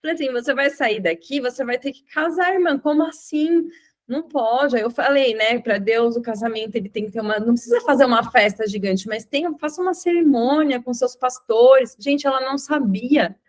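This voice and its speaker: A young woman with a Brazilian accent teaching an informal Christian class, telling a testimony as a lively storyteller who acts out quoted dialogue and often checks in with her listeners. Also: fairly high pitch, brisk, hardly any pauses. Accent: Brazilian Portuguese.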